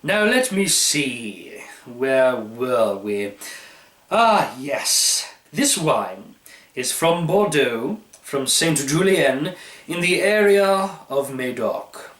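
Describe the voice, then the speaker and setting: A man's voice: medium pitch, big pitch swings, very slow, a bit bright, heavily acted. A man reading a story aloud, voicing a pompous, fussy connoisseur who savors each phrase with smug deliberation. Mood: smug, musing. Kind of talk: dramatized short-story reading. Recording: roomy, echoey, distant microphone.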